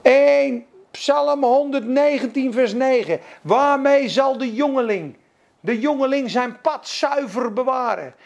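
A man's voice: very high voice, takes it slowly, creaky, dull audio. Fervent male preacher. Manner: fervent, emphatic, acts out dialogues. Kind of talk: sermon.

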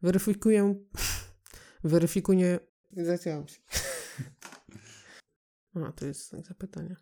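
A woman's voice: on the low side, takes it slowly, dark tone. A woman trying out scripted lines in an informal read-through. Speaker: voice actress rehearsing lines.

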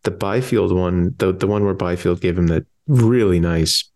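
A man with a very low voice talks sports in an easygoing podcast chat. He sounds stuffy and is losing his voice, and he rattles off lists of names and years without hurry. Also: normal speed, a little mellow. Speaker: podcast co-host.

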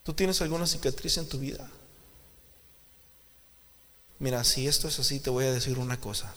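A man preaching a sermon in a church, talking emphatically and swinging from soft, confiding talk to loud outbursts as he addresses the listener directly. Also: mid-range voice, fast talker. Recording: long hall reverb with faint background noise.

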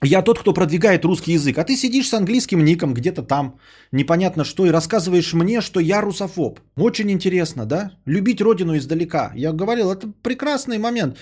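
Husky sarcastic ranting man. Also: high voice, animated, fairly quick, darkish tone. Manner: sarcastic, indignant, swears a lot. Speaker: podcaster and streamer. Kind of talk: ranting monologue answering a viewer.

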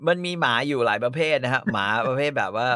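A man co-hosting a casual podcast, ranting bluntly and profanely in an animated way. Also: mid-range voice, fast, no echo, studio quality. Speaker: co-host.

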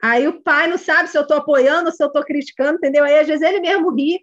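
A woman's voice: sits high, quick pace, muffled recording. A woman with a Brazilian Portuguese accent, a kid coach instructor giving a chatty online course lesson and talking to students by name.

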